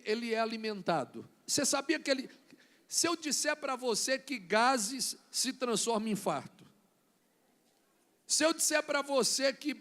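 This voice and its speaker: A Brazilian man preaching a sermon, acting out little scenes and building to shouted lines. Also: extremely high pitch. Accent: Brazilian Portuguese. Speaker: bishop preaching.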